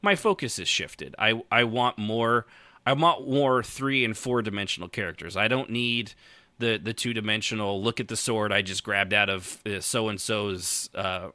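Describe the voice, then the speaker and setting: A man's voice: lowish voice, normal speed, sharp tone, no echo. A man hosting a casual podcast, rambling and often circling back over his own phrases. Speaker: podcast host.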